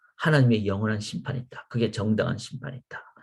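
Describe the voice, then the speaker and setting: With a somewhat breathy quality, the man's voice shows ordinary pitch variation. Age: 50s. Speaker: pastor. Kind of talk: sermon.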